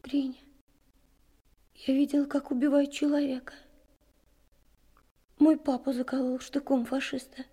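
Wartime radio play: anxious young girl, childlike, high, mellow voice, tender and plaintive. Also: little pitch movement, unhurried, pauses often. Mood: subdued, anxious. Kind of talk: radio drama acting.

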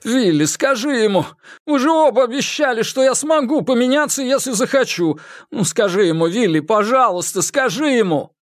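A man's voice: animated, moderate pace, no room sound, clean studio sound. A man reading an audiobook voices a panicked young man who shrieks and whines as he begs. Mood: pleading. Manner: shrill, whining, begging. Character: hysterical pleading man, young adult.

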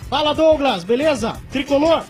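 A man hosting a live sports radio show from a mobile studio van at a stadium, chatty and upbeat with quick back-and-forth. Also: extremely high pitch, expressive, darkish tone, soft background music.

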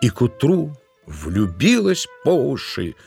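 A man's voice: medium pitch, huge pitch swings, slow, gravelly, darkish tone, exaggerated voice. A man reading scripted literary narration as the narrator of an audio play. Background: music.

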